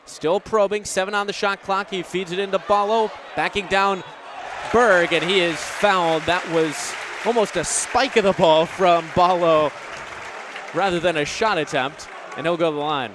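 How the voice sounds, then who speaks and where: A man's voice: high-pitched, moderate pace. A man in his twenties calling live basketball play-by-play. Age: 20s. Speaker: play-by-play announcer. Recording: faint crowd and gym noise behind. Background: basketball game crowd.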